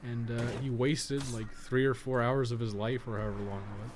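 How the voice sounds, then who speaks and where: This podcast co-host and game guide maker speaks briskly in a mid-range, flat voice. His game stream commentary rambles casually, with jokes and the occasional profanity, over a clearly noisy background.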